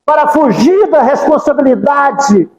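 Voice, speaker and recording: A man's voice: extremely high pitch, lively intonation, measured pace, a little mellow, roomy sound, big-room sound, rough recording. A man giving a devotional talk at a spiritist center, speaking fervent, pleading prayers and repeating the name of Jesus. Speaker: spiritist lecturer.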